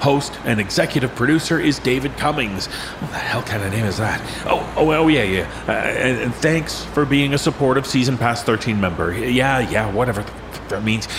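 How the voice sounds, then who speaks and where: Noticeable background noise sits behind speech delivered at a moderate pace with ordinary pitch variation. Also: man, medium pitch for a man. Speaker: frantic framing character introducing the audio files. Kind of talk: scripted comedic-paranoid framing monologue.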